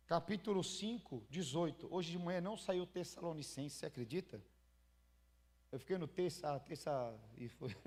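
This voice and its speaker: A Brazilian pastor with a fairly high voice preaches a sermon to his church. He talks in a loose, conversational way, acting out stories and asking the congregation questions. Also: a little mellow. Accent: Brazilian Portuguese. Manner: conversational preaching with acted-out anecdotes and rhetorical questions.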